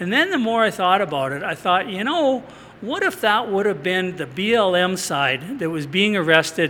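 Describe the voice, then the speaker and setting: Amid noticeable background noise, a man with a western Canadian accent talks at a high pitch with lively intonation. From central Alberta, Canada. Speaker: news cameraman and producer. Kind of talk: casual chat.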